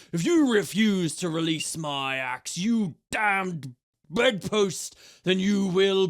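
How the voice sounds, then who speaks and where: A man talks at a fairly slow pace. His voice is high-pitched, with lively intonation. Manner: angry, threatening.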